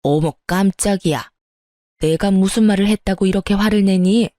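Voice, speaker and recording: A woman voicing a greedy, scheming older mother-in-law in a read-aloud story, with a slow, condescending drawl. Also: medium pitch, warm tone, no echo, clean studio sound, natural voice. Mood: indignant.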